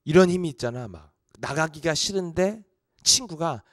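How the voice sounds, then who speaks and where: Male pastor, middle-aged, informal youth sermon; animated, acts out quotes, fairly high voice. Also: moderate pace, no echo, clean studio sound.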